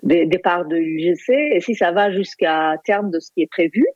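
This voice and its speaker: Woman guest from Iran, hesitant radio interviewee, low voice, dull dry lo-fi sound. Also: steady tone, normal speed, no echo. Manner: hesitant, many fillers and restarts. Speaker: film director, interview guest. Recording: dull lo-fi line.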